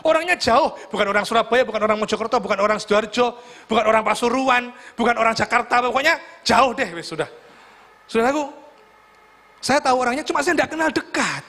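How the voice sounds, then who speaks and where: Lively, high-voiced pastor joking in a sermon. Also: male voice, fairly quick. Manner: humorous storytelling, addresses congregation as "saudaraku". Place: church hall.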